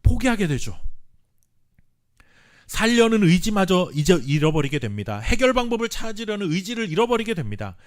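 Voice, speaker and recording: A Korean pastor preaching a sermon with earnest emphasis and dramatic pauses, sometimes reading scripture slowly. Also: male voice, high-pitched, sing-song. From South Korea. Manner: reads scripture aloud slowly with the congregation.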